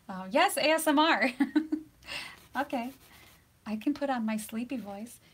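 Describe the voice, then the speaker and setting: A woman painting instructor giving a live painting demonstration, chatty and laughing often, sometimes dropping to a soft near-whisper as she works, in a studio surrounded by lights and cameras. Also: a little high, slow, breathy edge.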